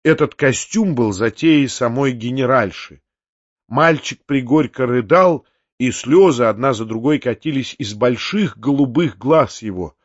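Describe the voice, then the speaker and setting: A man reading a classic novel aloud as a first-person narrator, in a measured and expressive manner. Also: mid-range voice, dry recording, highs cut off. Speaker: audiobook narrator.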